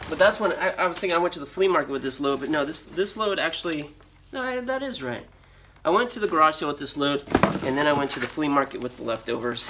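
A middle-aged American man giving casual, unscripted commentary while unboxing, rambling and thinking aloud. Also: on the high side. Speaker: vlogger, storage auction buyer and reseller. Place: storage unit with concrete floor. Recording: noisy handheld recording, crinkling and clicks. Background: loud rustling, crumpling and clicking.

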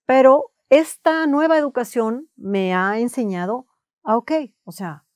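Calm woman, dry close sound. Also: mid-range voice, no echo. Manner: calm, measured, avoids swearing. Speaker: guest, therapist. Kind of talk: casual conversation.

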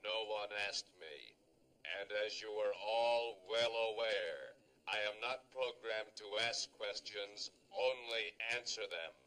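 A man voicing a dutiful robot in a 1960s TV series, with a smooth, even machine voice and precise, matter-of-fact statements. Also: on the low side, takes it slowly, rough recording. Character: dutiful male robot, calm and literal.

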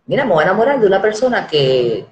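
A woman in her forties hosting a casual live-stream chat, animated and acting out the voices she quotes. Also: medium pitch, fast, reverberant, a little hiss or hum, rough recording. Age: 40s. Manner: animated, acts out quoted voices, repeats words.

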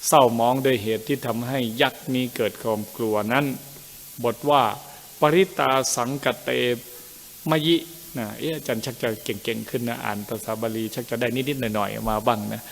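A male Dharma teacher reads scripture aloud, sounding out the Pali words haltingly, correcting himself and adding chatty asides. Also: medium pitch, fairly even intonation, gravelly, in a large hall, slight background noise. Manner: chatty asides ending in gentle particles. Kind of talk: reading scripture aloud with commentary.

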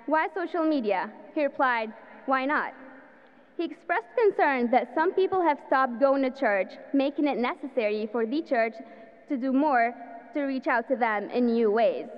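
A young woman reads a prepared introduction at a podium, her high voice ringing through a large hall. Her delivery is careful and formal. The sound is slightly muffled. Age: young adult. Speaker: student introducing the speaker. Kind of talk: read-aloud introduction. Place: large indoor arena. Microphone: podium microphone. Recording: dull sound with long hall reverb.

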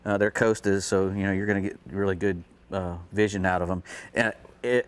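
A middle-aged man with a fairly low voice chats through a product showcase on a fishing show. He is folksy and unscripted, often halting and repeating himself as he goes. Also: little pitch movement, clear, resonant tone. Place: indoor TV studio set.

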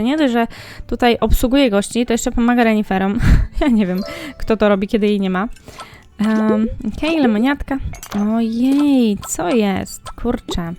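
A woman's voice: fairly high pitch, a little mellow. A young woman casually commenting on a game she plays, chatting to the characters and viewers as she goes. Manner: chatty, talks to the game characters while playing. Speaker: gaming vlogger. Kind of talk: casual let's-play commentary. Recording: faint game music behind.

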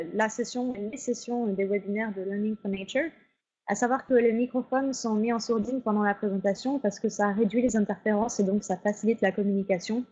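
Higher-voiced woman hosting a webinar. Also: a little mellow, slightly rough. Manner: procedural, with frequent fillers. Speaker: webinar facilitator. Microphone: video call. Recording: lo-fi webinar audio.

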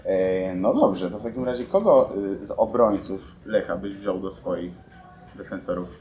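A man's voice: low voice, expressive, normal speed, dark tone. A man interviewing two footballers in a casual, teasing way, in a lounge. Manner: joking, teasing questions. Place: lounge in a large building.

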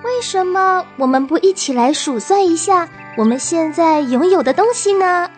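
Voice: very high-pitched, lively intonation, moderate pace, soft background music. An actor voicing a hopeful young female deer with a cheerful, exclamatory manner in a children's radio drama. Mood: excited, hopeful.

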